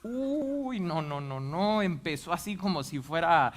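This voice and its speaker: A man preaching a sermon in church, telling a personal story. He shifts between quiet, reflective passages and emphatic ones, filling pauses with "este". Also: fairly high pitch.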